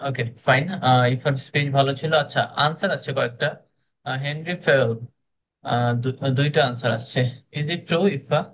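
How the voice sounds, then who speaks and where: A Bangladeshi man leads an online speaking class and talks through his feedback. His delivery is relaxed and broken by frequent "ah" fillers, and he slips English words into his Bangla. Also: mid-range voice, moderate pace. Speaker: speaking club instructor. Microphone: video call.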